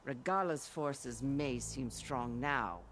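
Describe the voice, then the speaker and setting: A man playing a solemn, steadfast tribal chaplain in a video game, speaking in a measured, oratorical way. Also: mid-range voice, fairly bright tone, a little hiss or hum. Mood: solemn, resolute. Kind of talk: dramatic video game acting.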